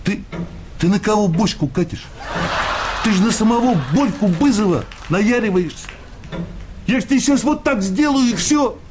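A man's voice: high-pitched, animated, normal speed, long pauses, background noise. An actor playing a bullying working-class tough guy in a radio comedy, slangy, boastful and menacing. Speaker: actor in a comedy audio play.

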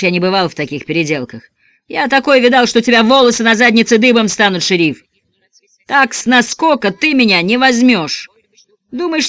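A narrator voicing a gruff backwoods outlaw father who bellows coarse threats. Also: medium pitch, a bit bright, dry recording, pitched above the performer's own voice, natural voice.

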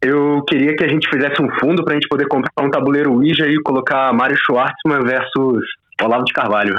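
A man from Brazil speaks over the phone at a middle pitch. He is polite and quick to the point, and the phone line sounds dull and lo-fi. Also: steady tone. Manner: polite, brief. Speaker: caller.

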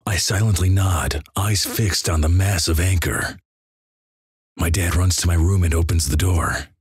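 A man reading internet stories aloud in a deadpan, flat manner. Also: deep voice, measured pace, husky, no echo, clean studio sound, faint music behind. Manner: deadpan, flat delivery of crude jokes.

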